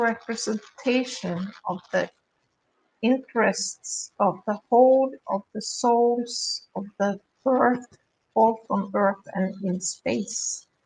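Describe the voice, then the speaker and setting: At a very slow pace, a woman speaks with fairly high pitch and fairly even intonation. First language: Norwegian. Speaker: spiritual council representative. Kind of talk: reading a prepared statement. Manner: formal.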